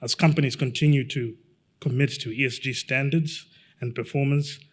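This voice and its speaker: A middle-aged man from Zambia giving a measured, halting conference presentation as a lawyer, with frequent fillers. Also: mid-range voice, steady tone.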